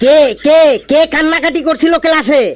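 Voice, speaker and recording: A cartoonish character voice talks at a high pitch and a moderate pace. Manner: stern, threatening.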